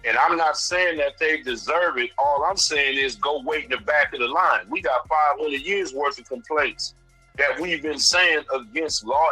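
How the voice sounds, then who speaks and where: A man calls in to a radio show with a bright, forceful voice on the higher side. He argues his point emphatically in loose street slang, with a dry, close sound and music running underneath. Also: normal speed, breathy edge, no room sound, rough recording. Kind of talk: opinionated call-in debate.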